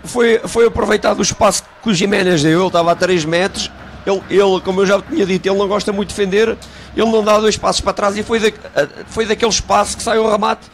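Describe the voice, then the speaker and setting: A man's voice: high voice, fairly even intonation, fast talker, slight background noise. A man giving informal match analysis as a pundit.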